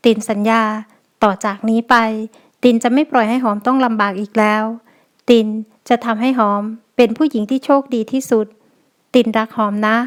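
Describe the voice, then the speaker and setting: Woman voicing a sorry young husband, soft and pleading, kinda high voice, audio novel romance. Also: fairly even intonation, moderate pace, close to an everyday voice. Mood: remorseful. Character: remorseful young husband, tender and devoted.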